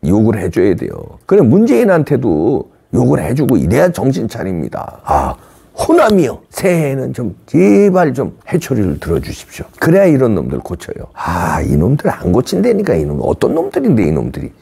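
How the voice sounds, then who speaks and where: A man's voice: medium pitch, wildly swooping pitch, normal speed, vocal fry, warm tone, husky. A man hosting a political commentary show, talking in an emphatic, scolding way and often acting out the voices of the people he quotes. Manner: insulting, scolding.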